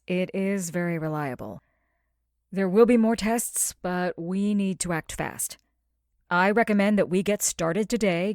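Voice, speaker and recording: A woman playing a concerned doctor in a naturalistic audio drama, measured and careful, gentle but firm. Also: on the low side, dry recording, studio quality, lightly acted. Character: concerned, tactful female physician.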